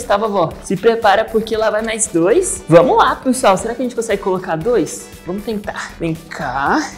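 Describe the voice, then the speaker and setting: A woman from Brazil giving playful, excitable let's-play commentary, giggling and talking straight to her viewers. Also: mid-range voice. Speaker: gaming YouTuber.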